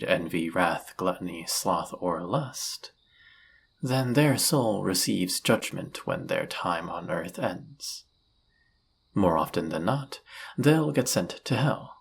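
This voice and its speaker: A man playing an arrogant demon prince of lust in an audio roleplay, speaking in a suave, condescending, flirtatious manner with a husky, gravelly voice. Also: deep voice, full character voice. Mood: cold, taunting, then sultry, explanatory. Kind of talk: scripted audio roleplay addressed to the listener.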